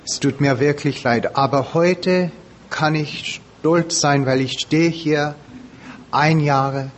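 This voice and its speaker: Male non-native German speaker, foreign accent, slow halting testimony, slight background noise. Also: fairly high pitch. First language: not German. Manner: halting learner's German with pauses. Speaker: speaker at a recovery meeting. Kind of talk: personal testimony to a group. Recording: background noise, room ambience.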